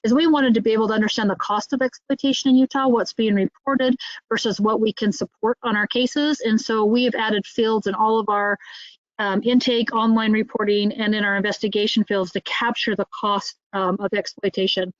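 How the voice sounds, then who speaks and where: A woman's voice: on the high side, fairly even intonation, a little fast, no echo, highs cut off. A woman giving a state agency update on a virtual meeting, upbeat, with filler ums.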